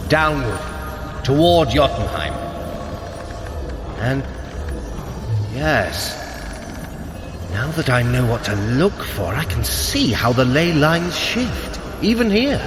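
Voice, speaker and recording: A haughty, slow-spoken trickster god. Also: male voice, mid-range voice, echoey room, long reverb tail. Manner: precise, formal, theatrical, self-assured. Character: Loki, sly haughty male trickster god. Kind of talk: scripted audio adventure acting.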